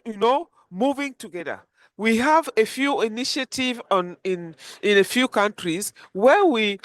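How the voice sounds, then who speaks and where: A woman speaking as a panelist and network coordinator, earnest and halting, often restarting her sentences. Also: mid-range voice, no room sound. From Cameroon. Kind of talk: panel discussion remarks.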